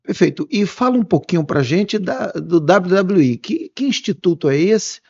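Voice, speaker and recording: A man's voice: sits high, lively intonation, moderate pace, darkish tone, dull audio. A man hosting an interview, asking long, winding, appreciative questions with frequent fillers. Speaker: interview host.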